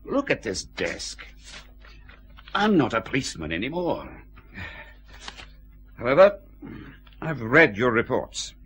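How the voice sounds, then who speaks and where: An actor playing a weary, sardonic senior police chief in a radio drama, grumbling with dry authority. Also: male voice, medium pitch, wildly swooping pitch, slow pace, long pauses, a bit bright, slight background noise, heavily acted. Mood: stern. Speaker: head of CID, senior police officer.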